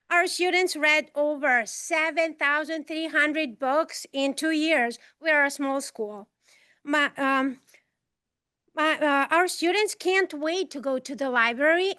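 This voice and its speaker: Middle-aged serbian-accented lady reading a prepared public comment, high bright voice. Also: dry recording, clean studio sound. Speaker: teacher giving public comment. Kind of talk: prepared speech at a public meeting.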